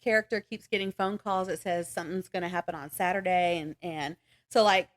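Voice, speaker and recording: A woman's voice: on the low side, fairly even intonation, brisk. Giggly woman chatting casually. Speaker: podcast co-host. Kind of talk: casual book chat.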